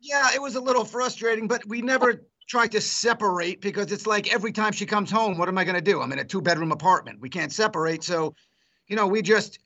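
A man rambles through a casual podcast chat, poking fun at himself. His voice is bright and a little high, and the recording is dull and lo-fi. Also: quick pace. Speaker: morning radio host.

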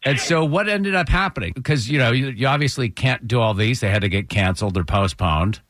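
A man's voice: medium pitch, lively intonation, a little fast, a bit bright, no echo. A man hosting a radio morning show, bantering playfully in an upbeat style, close on a studio microphone.

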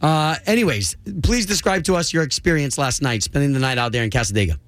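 A man's voice: mid-range voice, fast talker, fairly bright tone, no echo. A man hosting a radio morning show in casual, conversational banter.

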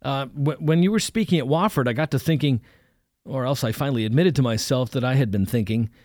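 A man's voice: mid-range voice, a little fast, darkish tone, dry recording, clean studio sound, voice pushed up, natural voice. A man voicing a nervous young male student who stammers and hesitates.

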